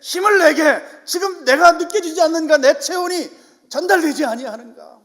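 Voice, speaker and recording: A fatherly God speaks in an old-fashioned, pleading way to a despairing prophet, as a male preacher puts him on in his sermon. The voice sits high. It trails off into the long reverb of a big church hall. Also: moderate pace, a bit bright. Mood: fervent.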